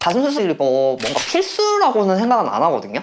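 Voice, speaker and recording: A woman's pitch rises and falls very widely as she talks fairly fast, with noticeable noise behind her. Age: 20s. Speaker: interviewee, bar worker, former hairdresser. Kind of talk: interview. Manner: casual.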